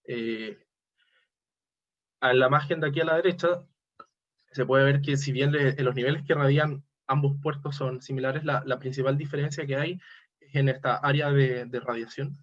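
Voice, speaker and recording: Halting man presenting, dull lo-fi sound. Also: mid-range voice, steady tone. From Chile. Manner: halting, self-correcting, hesitant delivery. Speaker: academic presenter. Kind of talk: technical conference presentation over slides.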